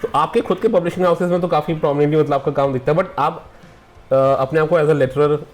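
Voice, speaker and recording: A man's voice: a little high, steady tone, quick pace, a little mellow. A man hosting an interview, asking long rambling questions full of fillers and switching into English mid-sentence. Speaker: interviewer, show host. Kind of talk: casual interview conversation.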